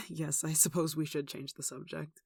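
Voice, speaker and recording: A performer playing a gentle, protective nun in an ASMR roleplay, speaking in a tender, soothing and wistful way. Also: mid-range voice, steady tone, normal speed, creaky, husky, dry recording, studio quality. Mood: worried, somber. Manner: tender, soothing, wistful, with sighs and soft chuckles. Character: gentle, protective young nun caring for a sick demon. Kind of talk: ASMR roleplay, soft intimate acting.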